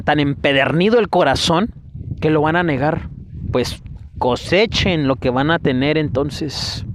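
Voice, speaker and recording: A man's voice: high voice, slight background noise. A man preaching a fiery sermon, scolding and firing off rhetorical questions. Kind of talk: denunciatory sermon.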